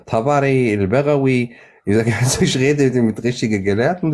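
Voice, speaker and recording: A man whose first language is Arabic, hosting a live-stream chat and speaking halting German with many restarts. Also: mid-range voice, warm tone. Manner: halting, many restarts and fillers, non-native German grammar. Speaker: livestream host.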